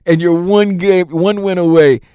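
A man co-hosting a sports radio show, talking excitedly about his sports bets. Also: high-pitched, unhurried, smooth, dry recording, studio quality. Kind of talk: casual sports radio banter. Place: radio studio. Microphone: studio mic.

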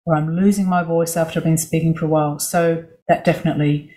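A woman's voice: low voice, fairly even intonation, dark tone. Woman coach explaining voice care. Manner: explanatory, measured, many "you know" asides. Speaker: vocal coach guest. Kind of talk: podcast interview.

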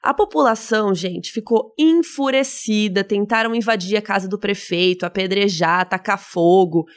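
A woman's voice: medium pitch, normal speed. A woman co-hosting a podcast, explaining case details in a chatty way with explanatory asides. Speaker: podcast co-host. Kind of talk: casual true-crime retelling.

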